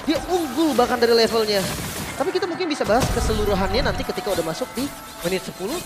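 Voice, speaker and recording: Male Indonesian esports co-caster, analytical, rapid delivery, loud music bed. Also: very high voice, expressive. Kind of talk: analytical live game commentary. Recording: loud music under the commentary.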